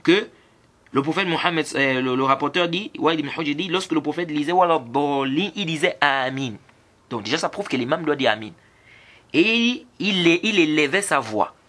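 A man with a slightly high, fairly bright voice gives a religious lesson on prayer, talking a little fast. The Islamic teacher explains in French, recites hadith in Arabic, answers his own rhetorical questions, and drops in approving Arabic words between points.

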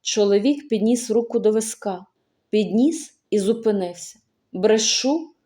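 A woman narrating a story audiobook in a measured, expressive reading. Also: medium pitch.

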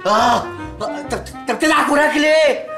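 A shrill, panicky young man. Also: lively intonation, fast, creaky, music in the background, heavily acted. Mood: panicking. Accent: Egyptian Arabic.

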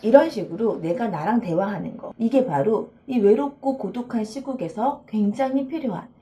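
A woman counseling psychologist giving a playful, expressive video lecture, acting out little dialogues as she explains. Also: a little high, moderate pace. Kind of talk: video lecture on self-esteem.

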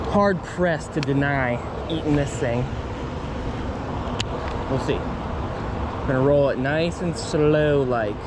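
Excited young man fishing by a spillway. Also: fairly high pitch. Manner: excited, chatty, repeats words for emphasis. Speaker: fishing vlogger. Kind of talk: casual narration while fishing. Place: outdoors by a river spillway. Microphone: action camera on chest or head. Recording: outdoor recording with clear background noise.

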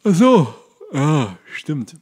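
A man's voice: fairly high pitch, big pitch swings, extremely slow, a little mellow, breathy edge. A man co-hosting a podcast in casual comedic chat, tipsy and tired, rambling and jokey as he goes. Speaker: podcast co-host.

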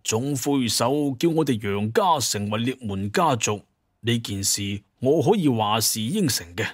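A man's voice: mid-range voice, lively intonation, measured pace, breathy edge, no room sound, clean studio sound. An actor playing an older clan patriarch in an audio drama, humble and formally deferential, a proud father. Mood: respectful. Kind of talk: Cantonese audio drama dialogue.

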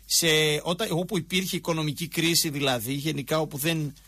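Bright high-voiced Greek man telling stories. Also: breathy edge, no room sound. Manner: chatty anecdote-telling. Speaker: radio co-host. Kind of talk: casual radio talk-show chat.

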